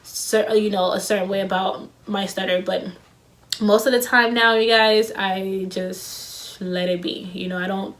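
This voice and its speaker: A woman's voice: medium pitch, fairly even intonation, measured pace, a bit bright. A woman vlogging casually to camera. She stutters and talks loosely, with lots of fillers and restarts. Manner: stutters, with repeated words and restarts; chatty and loose, with many fillers. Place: home room with air conditioner running. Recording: faint air conditioner hum.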